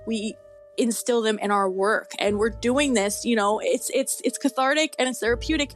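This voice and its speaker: A woman in her forties chatting casually as an interview guest, effusive and excitable, often exclaiming. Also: fairly high pitch, normal speed, faint music behind. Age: 40s. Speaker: guest horror author.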